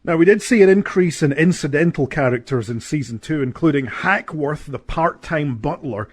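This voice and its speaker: Deadpan man co-hosting a radio comedy. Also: on the high side, moderate pace, breathy edge. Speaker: comedy show co-host. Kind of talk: scripted mock-serious radio introduction.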